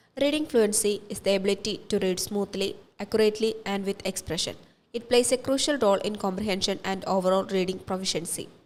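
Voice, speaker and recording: Very fast and robotic, a woman performs a put-on character voice. Her pitch is medium. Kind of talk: flat reading. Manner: robotic, flat, monotone.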